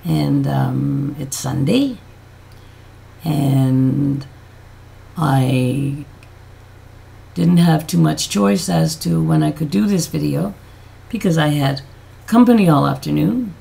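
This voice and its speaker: A woman with a deep, throaty voice chatting in a rambling, self-deprecating way on a casual beauty vlog; her voice has changed and she can't hit high notes. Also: takes it slowly, vocal fry, pauses often, mellow. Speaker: beauty vlogger.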